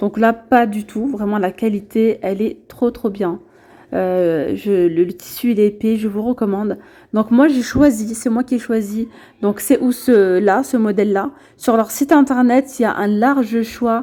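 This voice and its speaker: At a fairly slow pace, a woman talks in a fairly high pitch with a dark, mellow tone and ordinary pitch variation. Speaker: lifestyle vlogger. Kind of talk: casual vlog with product review. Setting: parents' home. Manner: hesitant, many fillers; soft-spoken.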